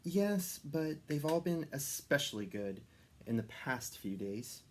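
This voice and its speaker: A man's voice: medium pitch, sing-song, slow, a little hiss or hum, voice pushed up. A man voicing a little old elf, anxious and hesitant, in a children's storybook. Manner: hesitant, apologetic. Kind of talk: children's storybook read-aloud.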